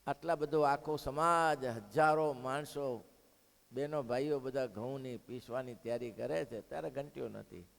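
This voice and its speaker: A man voicing a repentant woman who confesses humbly, in a soft, subdued tone while telling a sermon story. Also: medium pitch, measured pace, gravelly, voice pushed down. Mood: humble pleading. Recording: long hall reverb.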